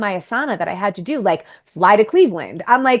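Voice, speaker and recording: Fairly quick speech over a quiet background. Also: woman. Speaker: nutritionist and podcast host. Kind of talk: casual interview chat. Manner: loud, forceful way of talking.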